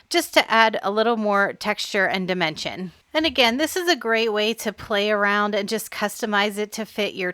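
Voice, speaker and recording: Hoarse-ish woman talking through a craft project, bright and smooth, very dry recording. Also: medium pitch, dry recording. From Pennsylvania, US. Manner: friendly step-by-step explaining. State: slightly hoarse from allergies. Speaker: craft channel host. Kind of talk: voice-over craft tutorial.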